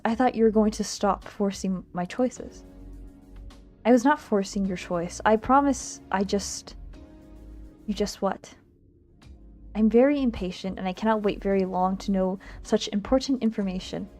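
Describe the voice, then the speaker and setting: A woman streamer reading a visual novel aloud on a livestream, expressive and giggly, stumbling over lines and making asides to chat. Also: mid-range voice. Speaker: streamer, VTuber. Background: game music.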